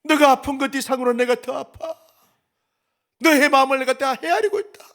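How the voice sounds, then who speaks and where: A man's voice: extremely high pitch, normal speed, fairly bright tone. A man voicing God as a loving father consoling a sufferer, tender and soothing.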